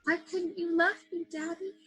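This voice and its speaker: A woman's voice: very high-pitched, level tone, moderate pace, bright, forceful tone. A woman playing a bubbly but unhinged, weepy children's storyteller with melodramatic sing-song delivery in a comedy sketch. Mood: breaking down. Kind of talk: comedy sketch staged reading.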